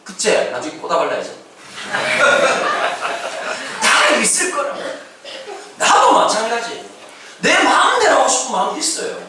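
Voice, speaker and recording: Pastor, male, very high lively voice, joking slangy delivery, booming church hall, mic at a distance. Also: unhurried, long pauses, noisy background. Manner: playful, slangy, acts out voices and laughs often. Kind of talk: lively youth sermon. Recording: echoey church hall from far off.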